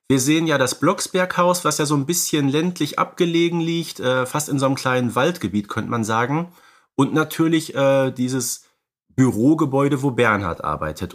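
A young adult man co-hosting a podcast, casually explaining films and often checking for agreement with little tag questions. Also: mid-range voice. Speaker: podcast co-host. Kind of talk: casual film discussion.

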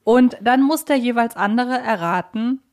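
A woman's voice: a little high, measured pace, darkish tone. Chatty woman hosting a podcast. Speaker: podcast host.

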